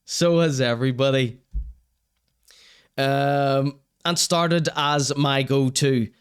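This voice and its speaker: A young Northern Irish man hosts a live stream, reading chat comments and offering blunt, wry takes, swearing casually and laughing at his own jokes. His medium-pitched voice is clean and slow, with fairly even intonation.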